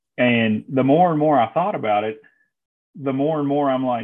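A man with an American accent, medium pitch and ordinary pitch variation. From Kentucky, US (Frankfort). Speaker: land surveyor. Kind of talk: casual interview chat.

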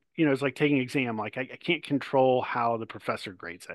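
A man's medium-pitched voice, dry and close with no echo, against a quiet background. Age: 40s. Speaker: adult chess improver, lawyer. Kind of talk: casual chat. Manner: halting.

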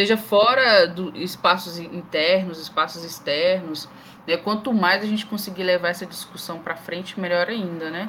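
At a moderate pace, a woman speaks in a normal speaking voice with medium pitch. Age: 30s. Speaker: podcast co-host. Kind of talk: casual chat.

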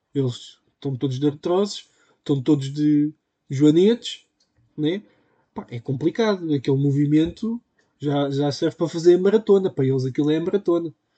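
This man has a fairly high pitch and a dark, mellow tone with a Lisbon accent. He leaves long, frequent pauses. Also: ordinary pitch variation, moderate pace, dry, close sound with no echo. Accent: European Portuguese, Lisbon. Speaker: podcast host. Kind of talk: casual monologue. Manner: halting, many fillers.

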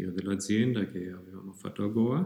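The speaker has a German accent and a dark, mellow tone. Pitch varies in an ordinary way. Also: man. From Germany, Frankfurt. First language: German (speaking Italian). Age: 50s. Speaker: yoga teacher. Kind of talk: interview. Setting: at the guest's yoga studio. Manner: halting.

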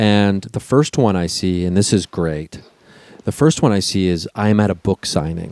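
A plain, everyday voice with an American accent, at a moderate pace with ordinary pitch variation. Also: man, fairly low pitch for a man. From Dayton, Ohio, US Midwest. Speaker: stand-up comedian and podcast co-host. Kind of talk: casual chat. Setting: remote recording, remote call.

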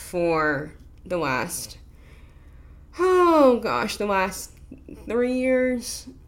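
A woman speaks with an American accent. Audible room echo surrounds her voice. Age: 30s. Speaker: podcast host. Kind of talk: solo podcast monologue. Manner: casual, conversational.

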